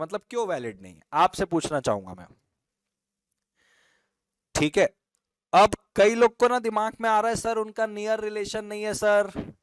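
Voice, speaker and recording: A man leads an online law lesson with a smooth, high voice. He jokes with students and acts out examples. The sound is close and dry. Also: dry recording. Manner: teasing students, lively storytelling. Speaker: law teacher. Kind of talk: online live class lecture.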